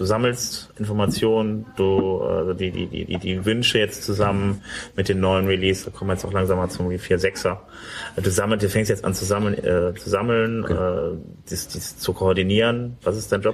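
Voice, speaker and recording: At a moderate pace, a man speaks with a fairly low pitch and monotone, flat intonation amid audible room echo. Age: 30s. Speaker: podcast host. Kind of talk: interview. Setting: conference venue.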